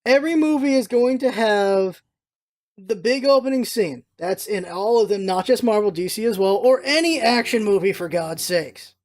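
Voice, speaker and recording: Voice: mid-range voice, lively intonation, moderate pace. A vlog host giving casual, opinionated movie commentary in an emphatic, exasperated, ranting manner.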